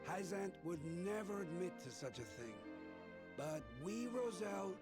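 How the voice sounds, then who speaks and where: An actor playing an old villager in a fantasy game, with deliberate, old-fashioned storytelling speech, recalling the past. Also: male voice, sits high, big pitch swings. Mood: proud, reminiscing. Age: older. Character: old Rosellan villager recalling a long-ago revolt. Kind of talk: scripted fantasy game voice acting. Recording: game music behind the voice.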